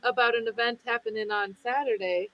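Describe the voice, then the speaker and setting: A woman's voice: a little high, fairly even intonation, fairly quick, highs cut off. A woman speaking casually and welcomingly as a member of a camp community.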